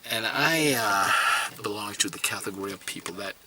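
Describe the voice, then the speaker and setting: A man whose first language is Swedish, talking casually to camera about learning a language, with many pauses, fillers and restarts. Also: on the low side, animated, background noise.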